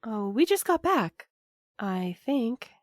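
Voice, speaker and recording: Earnest young courier for audio drama, woman acting, thoughtful and hesitant, unhurried with expressive intonation. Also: on the high side, no echo, clean studio sound. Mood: uneasy, guarded.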